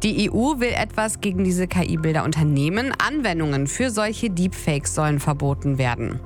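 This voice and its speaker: A woman anchoring a local radio newscast, reading items in an even, measured way. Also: on the low side, soft background music. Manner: even, measured news delivery. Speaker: news anchor. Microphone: studio mic.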